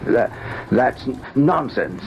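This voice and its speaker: An actor playing a troubled, weary older father in an old-time radio drama, halting and stammering as he defends himself. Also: mid-range voice, lively intonation, vocal fry. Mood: evasive, nervous. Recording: dull, noisy old radio recording.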